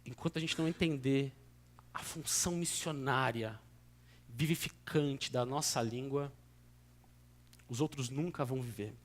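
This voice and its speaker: A young man preaching in a church in Brazilian Portuguese with a São Paulo accent, conversational and earnest, moving between soft asides and sudden emphatic bursts. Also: medium pitch, unhurried, pauses often. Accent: São Paulo state Brazilian Portuguese. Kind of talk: sermon.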